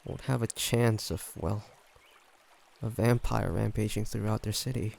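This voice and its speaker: A man voicing a brooding, gentle ancient vampire in an intimate audio roleplay, speaking haltingly and pensively. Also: on the low side, fairly even intonation, creaky, slight background noise. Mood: sorrowful, resigned. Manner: halting, soft-spoken, pensive with sighs.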